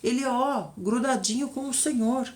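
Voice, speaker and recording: A woman's voice: on the high side, moderate pace. A middle-aged woman with a Brazilian Portuguese accent leading an informal Bible study, retelling the story in a chatty way and often checking in with her listeners. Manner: chatty storytelling, tag questions, lively retelling. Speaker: Bible teacher.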